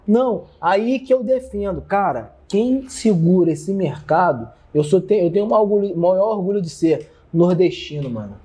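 Husky high-voiced man talking shop. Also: animated, moderate pace, hardly any pauses, dark tone. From born in Bahia, raised in Rio de Janeiro. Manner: emphatic, explains with repeated phrases. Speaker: chef and podcast co-host. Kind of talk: casual podcast chat.

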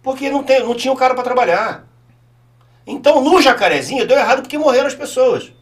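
A middle-aged man with a notably high voice speaks in casual interview storytelling. He hammers his points home with blunt repetition. He sounds like a former officer turned politician holding forth. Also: animated, fast talker.

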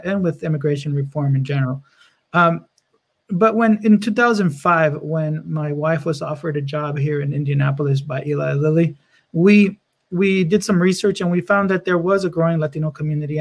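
A man from Mexico, an educator, speaking as a guest in a casual interview, assured and pointed. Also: fairly high pitch.

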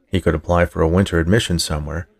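Male storyteller for a fiction podcast: deep, fry-edged voice, measured scripted narration. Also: steady tone. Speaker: writer, narrator and podcast producer.

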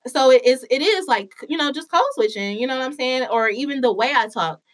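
A woman's voice: sits high, expressive, a little fast. A woman with an African American accent in a casual, candid chat, speaking informally and swearing freely.

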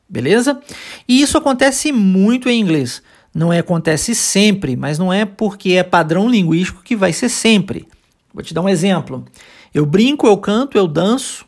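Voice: mid-range voice, big pitch swings. Patient Brazilian English teacher. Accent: Brazilian Portuguese. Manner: patient, explains step by step and repeats phrases slowly. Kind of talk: podcast language lesson.

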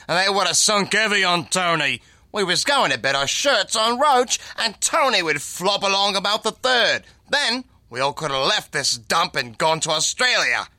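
A very sharp, high voice for a scheming waterfront crook. He is hard and menacing, talking forceful racketeer slang in a gangster radio play, with animated delivery. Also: no room sound, heavily acted.

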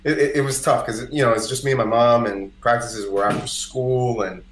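A man's voice: mid-range voice, fairly even intonation, normal speed. A man from Costa Rica, a native Spanish speaker, chatting casually and telling personal stories as a podcast guest, with lots of "like" and "you know". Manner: conversational, peppered with "like" and "you know". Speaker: podcast guest, singer-songwriter. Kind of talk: casual chat, personal storytelling. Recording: roomy, echoey indoor sound.

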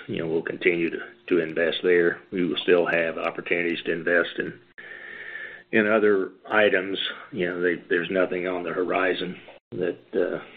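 Male executive, very low and even-pitched, halting unscripted business answers, narrow phone-conference sound. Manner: measured, halting, hedging phrasing. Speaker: company executive answering analyst questions. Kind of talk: unscripted earnings call answers. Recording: band-limited phone conference line.

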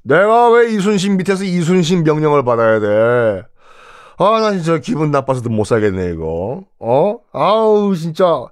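Man reading a sulky, wheedling schemer; lively, rising and falling delivery. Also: fairly high pitch, normal speed, smooth. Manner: whiny, wheedling, colloquial. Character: grumbling scheming male general lobbying officials.

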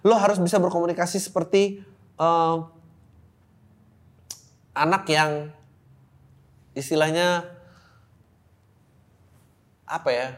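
A man's voice: a little high, fairly even intonation, slow, long pauses. A young man with hosting a podcast, reading listener letters aloud and reacting bluntly with swearing. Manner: blunt and profane, reads letters aloud then reacts with laughter. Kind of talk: casual podcast chat.

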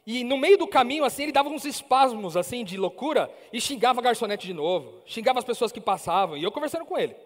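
A man's voice: very high-pitched, big pitch swings, quick pace, few pauses. A man with a Brazilian Portuguese accent, a preacher telling a story in a sermon and animatedly acting out the dialogue. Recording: reverberant hall, faint music.

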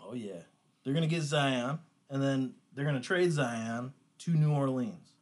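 A man's voice: medium pitch, a little slow. A man co-hosting a podcast in casual chat, teasing and contrarian. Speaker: podcast co-host.

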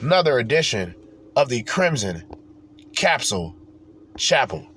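A man's voice: medium pitch, sing-song, unhurried, noisy background. A man hosting his own podcast, stuffed up from a cold, talking in a loose, rambling way and swearing casually. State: congested from a cold. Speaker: podcast host. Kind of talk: casual solo podcast talk.

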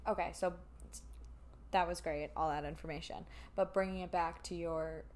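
A woman's voice: fairly low pitch, steady tone, moderate pace, a little mellow, a little hiss or hum. A woman interviewing casually, asking questions and prompting with "like".

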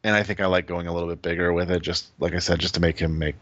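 A man's voice: deep voice, fairly even intonation, very fast, a bit bright, dry recording, lo-fi sound. A man appearing as a guest, analyzing poker strategy casually and thinking aloud with many "like"s.

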